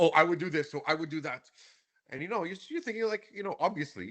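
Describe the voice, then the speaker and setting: In a French-Canadian accent, a man talks at a very fast pace with an animated, bright, sharp tone and vocal fry, against a quiet background. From Quebec, Montreal. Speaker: chef. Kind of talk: interview.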